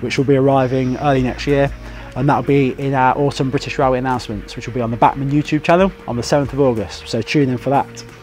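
The speech comes at a very fast pace in a monotone, flat intonation. Faint music plays in the background, and the sound is dry with no echo. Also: man. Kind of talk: product presentation. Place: shop. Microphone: lapel.

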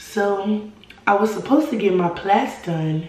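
Light background noise with audible room echo. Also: woman. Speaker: nail student vlogger. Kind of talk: casual vlog chat. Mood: relaxed, chatty. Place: home room.

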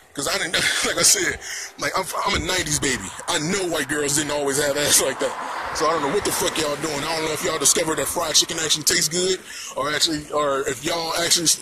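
A man talks at a very fast pace. The sound is dry with no echo, set against loud background noise. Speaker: vlogger. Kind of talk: casual vlog rant. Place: street. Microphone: phone near.

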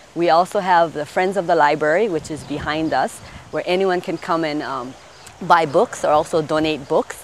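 A woman speaks in a normal speaking voice, fairly low-pitched, at a moderate pace with ordinary pitch variation. The sound is dry with no echo, over light background noise. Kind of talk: interview answer. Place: open country. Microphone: lapel.

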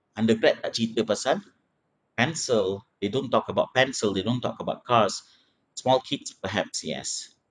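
With a Malaysian accent, the voice shows ordinary pitch variation over light background noise. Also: man, moderate pace. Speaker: university lecturer. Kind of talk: lecture. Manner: halting. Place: home room.

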